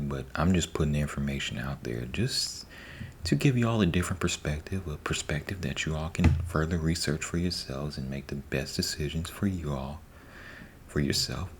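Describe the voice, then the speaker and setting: A man giving a soft-spoken ASMR ramble, breathy and often near a whisper, informal and repeating himself, close to the microphone. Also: rumbling low. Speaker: ASMR host. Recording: faint background noise.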